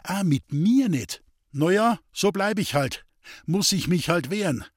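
A man voicing a hoarse, furious young Bavarian farmer. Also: on the high side, lively intonation, normal speed, no room sound, clean studio sound, pitched above the performer's own voice. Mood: angry. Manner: urgent, commanding, hoarse shouting. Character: hot-tempered young farmer's son, desperate.

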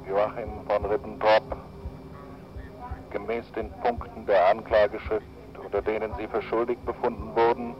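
A man serving as court interpreter reads out court sentences in a measured, solemn official manner, heard as old archival newsreel-style audio. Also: on the low side. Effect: old archival newsreel-style broadcast audio. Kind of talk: formal reading of court sentences. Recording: dull lo-fi archive recording with faint music.

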